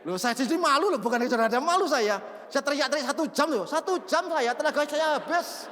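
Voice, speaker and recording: A male pastor preaching an animated sermon full of stories, acting out shouted prayers and laughing at himself. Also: very high-pitched, fast talker. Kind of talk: sermon with storytelling. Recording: long reverb of a large hall.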